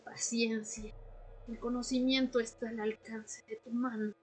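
A woman playing a patient, enigmatic vampire scholar in a radio drama, speaking in a measured, solemn way. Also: fairly high pitch, flat delivery, darkish tone, close to an everyday voice. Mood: patient, composed. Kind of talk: Spanish-language amateur radio drama acting.

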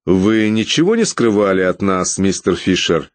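A man reading an audiobook, voicing a smug, petty male welfare official who questions coldly and turns shrill when scared. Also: normal speed, no echo. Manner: smug and coldly calm, turning hysterical.

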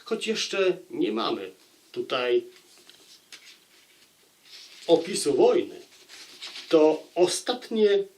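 A man with a slightly high voice talks through a book review on his own. He speaks very slowly and deliberately, often repeating a phrase to drive it home. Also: very animated, creaky, a little mellow. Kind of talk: unscripted book review monologue.

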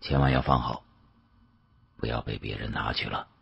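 Man acting a low, husky, grave senior official. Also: steady tone, normal speed, lo-fi sound, heavily acted. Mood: grave, measured. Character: grave, authoritative senior government bureau chief, man.

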